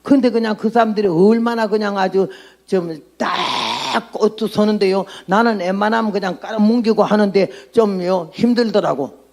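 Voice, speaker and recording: A woman's voice: mid-range voice, moderate pace, darkish tone. A woman in her nineties, a missionary preacher, giving a blunt, outspoken sermon and testimony. She often laughs at her own remarks and throws questions at the congregation. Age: 90s.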